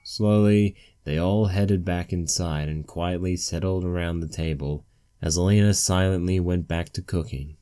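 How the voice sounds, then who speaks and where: Male story narrator, deep and soft-edged, scripted read. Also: steady tone, moderate pace. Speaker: narrator of a fan fiction reading.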